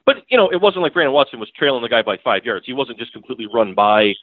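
A man's voice: medium pitch, sing-song, quick pace, dry recording. A man, a beat writer on the show as a guest, breaks down a football game in casual, rambling talk full of restarts and fillers, calling in by phone. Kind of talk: casual sports analysis. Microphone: phone call. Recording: tinny dry phone line.

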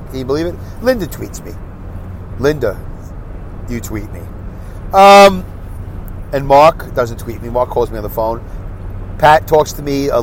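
A man with a mid-range voice, heard on a rough recording, is congested and stuffy-nosed. He hosts his own podcast, rambling solo in a casual, self-deprecating way while driving through traffic.

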